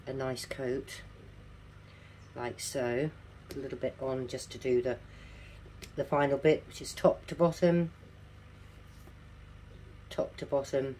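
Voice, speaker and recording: Low-voiced, slow-talking toothless woman. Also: dark tone, slight background noise. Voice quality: toothless, slightly slurred articulation. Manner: instructive, repeating key steps. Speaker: craft tutorial presenter. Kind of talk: casual step-by-step craft demonstration. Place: indoors at a home craft table.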